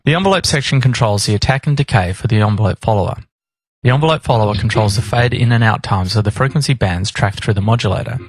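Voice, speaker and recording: A man reading scripted instructional narration in a measured, explanatory manner. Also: lowish voice, no echo. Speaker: tutorial narrator.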